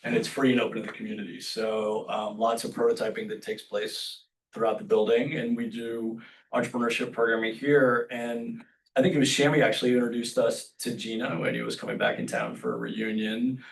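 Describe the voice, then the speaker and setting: A man's voice: medium pitch, a little fast, vocal fry, recorded from a distance, a little hiss or hum, poor audio. Man hosting from across the room. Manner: loose and conversational, many fillers. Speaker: host and executive director. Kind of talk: welcoming remarks at a roundtable. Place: meeting room around a table.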